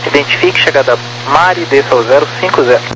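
A man's voice: medium pitch, fast, fairly bright tone. Male approach controller over humming radio. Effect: two-way radio. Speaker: air traffic approach controller. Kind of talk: procedural air traffic control radio phraseology. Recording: faintly noisy, humming radio channel.

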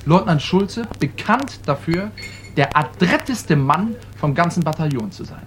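A man's voice: on the high side, expressive, a little slow, slight background noise. A male comedian telling jokes in an anecdotal style, jumping in and out of character voices. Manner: anecdotal storytelling, jumps into voices. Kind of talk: stage joke telling.

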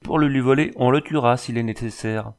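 A man voicing a slow, disdainful tribal chief. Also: medium pitch, pitched above the performer's own voice, natural voice. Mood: solemn. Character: stern, dignified male native chief. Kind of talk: audiobook character reading.

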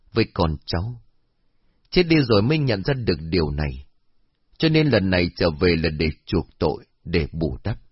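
A man voicing a solemn old male exorcist master who explains in a grave, measured way. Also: sits low, breathy edge, no echo, full character voice. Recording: dull lo-fi recording.

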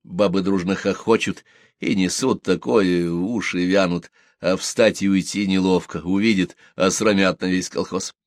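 Low-voiced man reading a story. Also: no room sound, studio quality. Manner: calm, measured first-person narration. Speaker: narrator. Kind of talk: literary audiobook reading.

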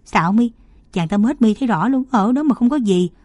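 A woman voices a mischievous young female student who prods and teases. Her voice is mellow and warm, recorded dry and close. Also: fairly high pitch, animated, fairly quick, no room sound. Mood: teasing. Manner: cheeky, prodding banter.

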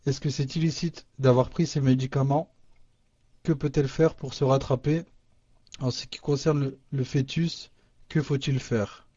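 Man, moderator, reads questions haltingly, dark mellow voice, dry muffled lo-fi sound. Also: medium pitch, steady tone, no echo. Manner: halting reading with restarts, Arabic religious phrases. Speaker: moderator reading listener questions. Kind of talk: reading questions aloud, hesitant. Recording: muffled lo-fi audio.

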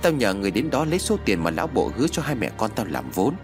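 A vengeful village schemer, voiced by a male storyteller, gloating as she speaks. The voice sits low yet moves in animated swings. Faint music plays beneath the storytelling. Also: fast. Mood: taunting. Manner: gloating, taunting.

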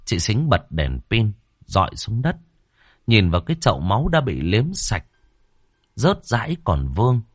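A man tells a horror story. His delivery is dramatic and suspenseful, with wide swings in pitch. The sound is dry and close, with faint music underneath. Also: wildly swooping pitch, measured pace, slightly rough, no echo. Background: faint background music.

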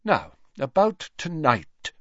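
A man's voice: on the high side, huge pitch swings, slow pace, fairly bright tone, no room sound, dull audio, voice pushed up, full character voice. A man voicing a frail old male headmaster wizard who speaks lightly and courteously. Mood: calm.

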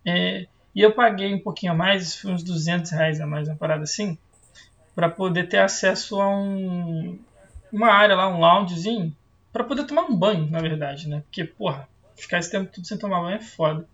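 A man's voice: sits high, brisk, fairly bright tone, dull audio. A man co-hosting a podcast, telling a story in a laid-back, slangy way full of fillers. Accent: Brazilian Portuguese. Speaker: podcast co-host. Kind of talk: casual chat over a video call.

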